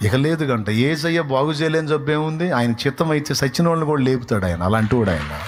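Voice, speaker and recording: A man's voice: medium pitch, expressive, fast, background noise. A man preaching a sermon emphatically, piling up rhetorical questions and acting out what people say. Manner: emphatic, full of rhetorical questions, acts out quotes. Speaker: pastor.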